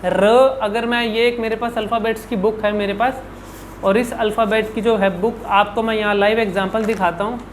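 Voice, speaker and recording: The man, a speech and public speaking coach, talks fairly quickly in a high-pitched voice that shows little pitch movement. Answering viewer questions in an instructional video, he demonstrates each sound by repeating syllables and words, and the rough recording has slight background noise.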